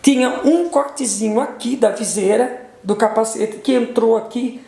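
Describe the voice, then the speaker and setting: A middle-aged woman giving an emotional testimony as a mother, retelling dialogue, repeating words, her voice leaping high at intense moments. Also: normal speed, gravelly, dark tone, echoey room.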